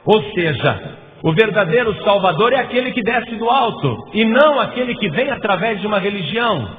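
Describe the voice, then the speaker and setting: A man with a Brazilian Portuguese accent preaching a sermon as pastor, building to loud, emphatic repeated lists. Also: high voice, animated, normal speed. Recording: tinny phone-like sound with long reverb and faint noise.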